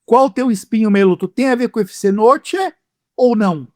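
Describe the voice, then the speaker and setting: A Brazilian man hosting a lively sports podcast in a playful, theatrical way, his voice rough from being sick. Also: sits high, a little fast, no room sound, clean studio sound. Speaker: podcast host.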